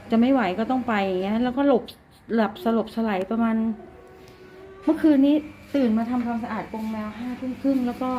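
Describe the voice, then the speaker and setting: A woman's voice: fairly high pitch, a little mellow, a little hiss or hum. A woman in a casual home vlog, chatting to viewers and talking to her cats like a mother. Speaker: cat and rabbit keeper filming her pets.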